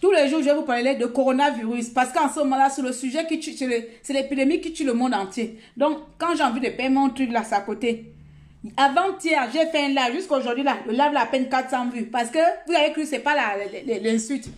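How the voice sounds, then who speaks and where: A woman from Gabon talks straight into her phone during a live stream. She rambles and repeats herself, lecturing her viewers and then drifting into casual chat. Her voice sits a little high. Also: fairly quick. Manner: talkative, scolding and repetitive, mixing sermon and chat.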